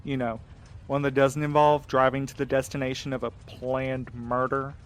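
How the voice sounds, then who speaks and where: A man's voice: mid-range voice, flat delivery, normal speed, close to an everyday voice. A man playing a weary, protective and dryly sardonic character in a naturalistic audio drama. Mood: subdued, earnest.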